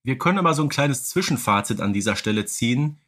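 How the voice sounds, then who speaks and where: A man chats as a podcast co-host. His voice sits at a middle pitch. He talks casually, with tongue-in-cheek humour. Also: animated, fast, fairly bright tone.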